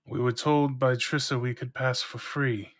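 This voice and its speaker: A man's voice: mid-range voice, level tone, normal speed, a bit bright, no room sound. A man bantering casually as a player in a tabletop game.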